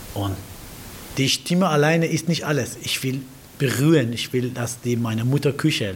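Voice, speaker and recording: A man with a Persian accent speaks at a moderate pace in a medium pitch, somewhat breathy. His pitch variation is ordinary, and he leaves long, frequent pauses. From Iran. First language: Persian (speaking German). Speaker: judo athlete and coach. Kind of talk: interview testimony. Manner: halting non-native German.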